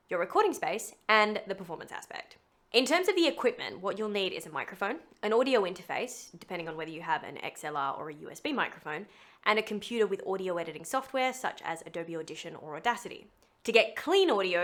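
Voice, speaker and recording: A woman's voice: mid-range voice, bright, forceful tone. A woman narrating a scripted tutorial in a chatty, playful way with wry asides. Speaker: voice actor giving a tutorial.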